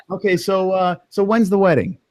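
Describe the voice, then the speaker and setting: A man's voice: high voice, dry recording, studio quality. A man with a New York accent hosting a casual livestream interview, joking and laughing often. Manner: joking, laughs often, stumbles over words. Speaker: host.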